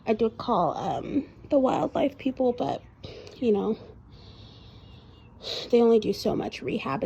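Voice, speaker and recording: A woman's voice: on the high side, mellow, poor audio. A woman vlogging in a casual, chatty, informal way, peppering her talk with "like". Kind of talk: casual chat to camera. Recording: clear background noise.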